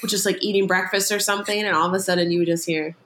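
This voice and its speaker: A woman's voice: mid-range voice, fairly even intonation, rapid-fire, fairly bright tone, a little hiss or hum. A woman guest on a podcast, telling stories in a casual, rambling way with lots of filler words. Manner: rambling storyteller, heavy filler "like". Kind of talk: casual chat.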